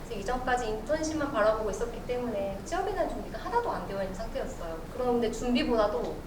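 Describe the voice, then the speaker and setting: A woman speaks earnestly and encouragingly as a bank employee on a panel. Her voice sits a little high. She is recorded from afar in an echoey, noisy hall. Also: expressive, fast talker, distant mic. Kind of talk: panel talk.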